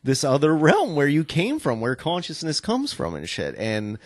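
A man's voice: a little high, huge pitch swings, moderate pace, no echo. A man chatting casually on a podcast in an informal, slangy way, with plenty of swearing. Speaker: podcast co-host.

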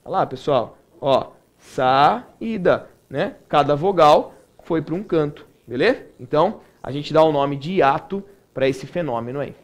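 Brazilian male teacher with a somewhat high voice and a relaxed, conversational way of explaining, checking in often with students. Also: normal speed, few pauses. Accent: Brazilian Portuguese. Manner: casual, keeps checking in with "né?" and "tudo bem?". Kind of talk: recorded online grammar lesson.

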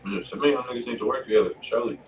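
A man's voice: mid-range voice, steady tone, racing, muffled recording. A man co-hosting a music livestream in casual, slangy talk, blunt and profane. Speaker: co-host of a music review livestream. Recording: distant mic, echoey room, noisy background.

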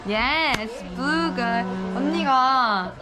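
A woman's voice: high voice, takes it slowly. A young woman introducing herself and joking with bandmates in a backstage vlog, wearing a headset mic. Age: young adult. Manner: bubbly, animated, joking. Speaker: idol group member. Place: backstage waiting room. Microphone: headset mic, handheld camera.

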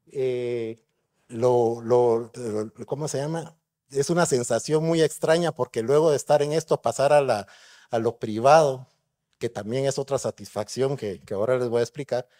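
A medium-pitched, dark-toned male voice belongs to a middle-aged neurosurgeon from Guatemala. His conference lecture is conversational, and he puts rhetorical questions to the audience.

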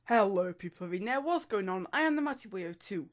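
A man's voice: high-pitched, fast. A teenage boy with a cold-stuffed voice, chatting casually in his bedroom as he does viewer dares. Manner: chatty, animated, laughs and groans at dares. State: congested from a cold. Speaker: YouTuber. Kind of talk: casual vlog. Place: small bedroom. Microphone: studio mic on arm near camera.

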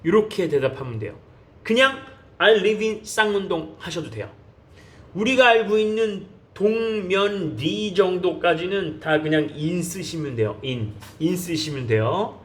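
High-voiced Korean man teaching English. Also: animated. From South Korea. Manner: coaxing, repeats phrases slowly for learners to copy. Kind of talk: online English lesson.

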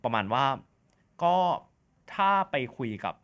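A man's voice: takes it slowly, dull audio. A man co-hosting a podcast, explaining his views thoughtfully and at length. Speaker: podcast co-host. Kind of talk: casual chat.

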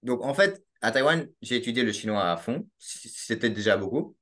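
A young Belgian man with a Belgian French accent, chatting as a podcast guest. He talks in a casual, halting way, with frequent fillers and restarts. His voice comes through a laptop mic in a small room at home. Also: medium pitch, animated, a bit bright. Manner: hesitant, with many restarts and fillers. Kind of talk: casual interview over video call. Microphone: laptop webcam mic on a video call.

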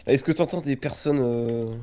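A man's voice: mid-range voice, normal speed, warm tone. Guy joking around while playing minecraft with a friend, casual. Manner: chatty, jokey, gives gear advice. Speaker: let's play co-host. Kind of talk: casual gaming chat.

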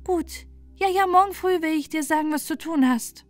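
A woman voicing a small, brisk, caring male bird friend in a storybook tale. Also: extremely high pitch, soft background music, voice pushed up. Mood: fretful, hasty. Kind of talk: storybook character voice.

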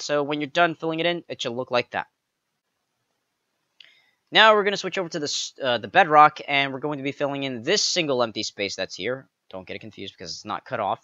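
A man narrating a step-by-step game building tutorial, counting blocks aloud with playful jokey asides and a slightly raspy voice. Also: medium pitch, bright, forceful tone, no echo, muffled recording. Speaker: pixel art tutorial creator.

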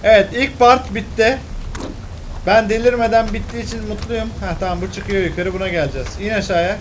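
Excitable young man narrating gameplay. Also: sits high, fairly quick, slight background noise, low-quality recording. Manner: excitable, exclaims and mutters to himself while playing. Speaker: gameplay commentator. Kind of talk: casual let's-play commentary.

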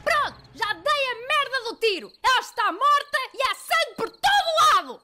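A woman's voice: very high voice, sing-song, normal speed, heavy background noise. A woman playing a flustered, irritable young policewoman in an anime parody dub, with a European Portuguese accent. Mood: exasperated.

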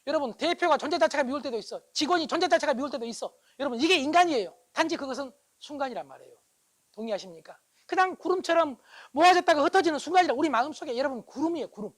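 A middle-aged man giving an animated public lecture. He keeps asking his audience whether they agree and swings from loud bursts to hushed asides. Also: extremely high pitch, racing, rough recording. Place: lecture hall.

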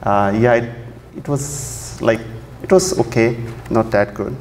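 A man's voice: mid-range voice, a little slow, slight background noise. Man in a hall. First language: Urdu. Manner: relaxed, many fillers and restarts. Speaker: conference speaker. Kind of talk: technical conference talk. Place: large dark auditorium, at a podium. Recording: long hall reverb, faint ambience.

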